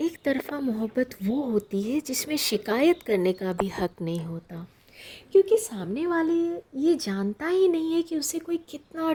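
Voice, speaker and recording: A woman speaks with a high pitch and very wide pitch swings. Her tone is dark and mellow. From Gaya, Bihar, India. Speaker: radio jockey storyteller. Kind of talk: radio-style emotional love story narration.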